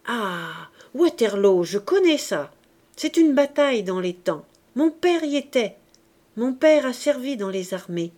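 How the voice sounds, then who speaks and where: A woman voicing a poor, brash young girl who chatters loudly and boastfully. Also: fairly high pitch, sing-song, measured pace. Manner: loud, eager, boastful chatter.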